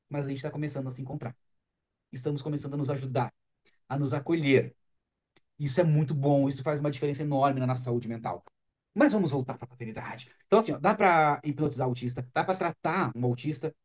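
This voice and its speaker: A man's voice: fairly high pitch, a little mellow. A Brazilian father giving a live stream talk, earnest and emphatic, repeating words to stress his point. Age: adult father. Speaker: speaker on autism parenting. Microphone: webcam or phone on a live stream.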